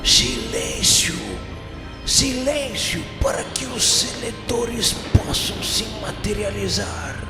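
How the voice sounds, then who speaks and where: A man playing a stern spirit magistrate who commands like a solemn high priest in a radio drama. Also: sing-song, vocal fry, exaggerated voice. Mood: solemn, commanding. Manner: solemn, commanding, drawn-out delivery. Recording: long echoing hall reverb, loud music behind.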